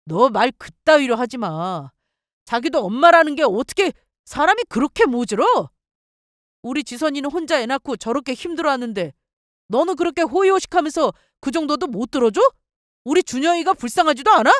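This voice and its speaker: A woman's voice: sits high, lively intonation, fairly quick, no room sound, clean studio sound. Woman doing a selfish blaming husband. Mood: indignant. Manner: blaming, indignant shouting. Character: selfish angry young husband, man.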